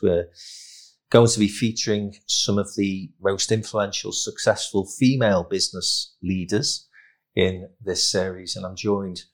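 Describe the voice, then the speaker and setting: A man speaking as a podcast host, presenting and promoting in an emphatic, salesman-like way. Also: sits low. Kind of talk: podcast interview and promotional announcements.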